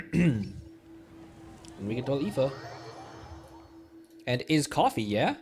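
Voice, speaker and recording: A young man talking casually through a game stream, wandering between thoughts and tossing out puns with frequent laughter. His pitch bounces around animatedly. Soft game music plays quietly behind him. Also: sing-song, drawn-out words, vocal fry. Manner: rambling, punning, laughs often. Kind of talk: casual gaming livestream chat.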